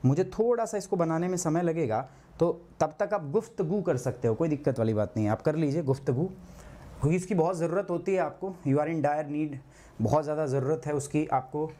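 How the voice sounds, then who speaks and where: A hoarse man teaching a live online geography class, asking his students questions and answering them himself, with English terms mixed in. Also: a little high, fairly quick, warm tone. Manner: clears his throat often.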